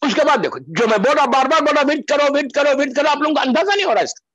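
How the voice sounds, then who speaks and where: A man's voice: very high voice, animated, racing, fairly bright tone, dry recording, muffled recording. A man preaching a Muharram majlis sermon to a gathering broadcast live, pleading and impassioned, repeating phrases for emphasis and slipping in English phrases. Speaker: Shia preacher.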